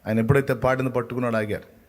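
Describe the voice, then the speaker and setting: A man's voice: mid-range voice, steady tone, rapid-fire. A man preaching a sermon, retelling a story with passion, asking the listeners rhetorical questions and repeating key phrases for emphasis.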